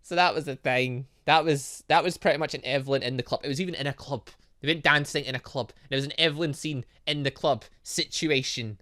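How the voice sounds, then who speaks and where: A man giving casual let's play commentary, playful and excitable, with stumbles and interjections. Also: on the high side, a little fast. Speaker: gaming video host. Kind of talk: casual let's play commentary, reading game dialogue aloud.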